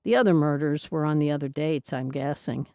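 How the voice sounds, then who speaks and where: A woman reading as a gentle, earnest Amish young man. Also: low-pitched, fairly quick, dry recording, clean studio sound.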